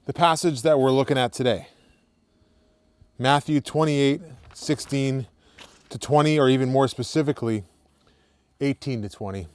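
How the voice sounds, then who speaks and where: A man's voice: medium pitch, darkish tone, no echo. A man speaking as a pastor in a short devotional, earnest and conversational, often repeating words as he restarts a thought.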